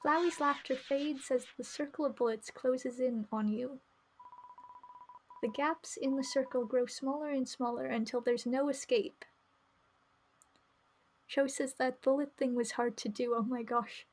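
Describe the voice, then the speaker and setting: A woman game streamer reads narration aloud live and chats casually as she plays, her high voice steady and measured. Faint music and slight background noise sit behind her.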